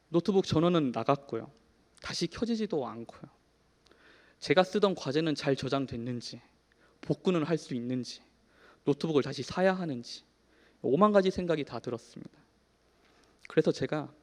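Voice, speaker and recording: A man in his thirties preaches a sermon in a church hall, earnestly telling a personal story and moving from soft to emphatic. His voice is on the high side, and a long hall reverb fills the recording.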